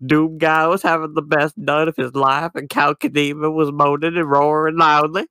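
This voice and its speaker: A man on a comedy podcast narrating absurd fan fiction aloud, deadpan, now and then breaking into laughter. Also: fairly high pitch, moderate pace, clean tone, no echo. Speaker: podcast co-host reading aloud.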